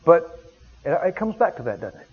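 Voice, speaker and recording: A man's voice: a little high, sing-song, normal speed, husky. A male pastor preaching a sermon in an emphatic, repetitive storytelling way. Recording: dull lo-fi sound.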